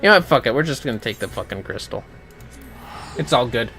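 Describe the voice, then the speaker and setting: Lively, bright-voiced man streaming a game. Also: medium pitch, fairly quick, faint music behind. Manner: blunt, swearing. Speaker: livestream gamer. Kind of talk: casual chat while playing an online game.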